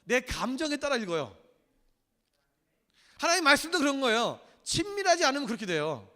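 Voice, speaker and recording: A male pastor preaching a sermon, animated and acting out the voices he quotes. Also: very high voice, brisk. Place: church sanctuary. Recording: church hall with long reverb.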